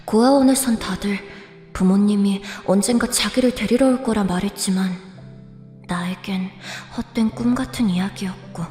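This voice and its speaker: A woman's voice: mid-range voice, normal speed, dark tone, lightly acted. A woman playing a frightened, lonely orphan boy in an audio drama, plaintive and emotional. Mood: sorrowful narration. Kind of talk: audio drama acting and first-person narration. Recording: reverberant, echoey, music behind.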